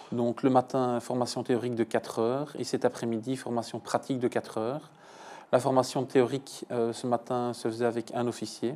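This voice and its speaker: This man has a medium-pitched voice with a dark, mellow tone. He speaks at a moderate pace. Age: 30s. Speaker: fire officer and training coordinator. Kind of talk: interview and on-site explanation. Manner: hesitant, many fillers.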